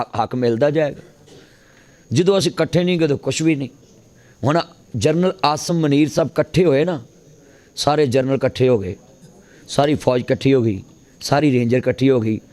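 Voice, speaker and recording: A man preaching in a Lahori Punjabi accent, giving a fiery sermon at a mosque gathering and urging the crowd to answer him out loud. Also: mid-range voice. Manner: rousing, calls on the crowd to answer loudly, acts out voices. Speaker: Islamic cleric preaching.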